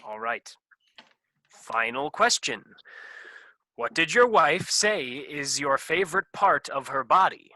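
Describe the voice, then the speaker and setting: Man playing an exasperated bright-voiced game show host. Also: a little high, lively intonation, slow pace, dry recording, full character voice. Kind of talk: comedy sketch staged reading.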